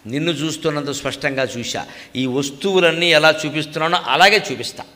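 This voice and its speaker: An older man with a Telugu accent giving a spiritual discourse in Telugu, now and then chanting Sanskrit verses slowly in a sing-song. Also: fairly high pitch, bright, forceful tone. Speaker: spiritual speaker. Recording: long hall reverb.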